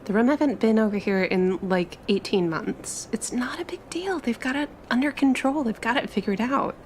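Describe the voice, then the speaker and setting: A woman's voice: fairly high pitch, moderate pace, slight background noise, close to an everyday voice. A woman playing an eager, chatty young traveler in a tabletop roleplay, with gushing, informal, stop-start chatter. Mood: eager, insistent.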